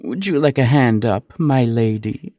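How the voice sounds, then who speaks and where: A man playing a sly, condescending courtier in a fantasy audio drama, talking in a mocking, unhurried way. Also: medium pitch, dark tone, no room sound, clean studio sound, lightly acted. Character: sly, condescending male courtier needling a rival.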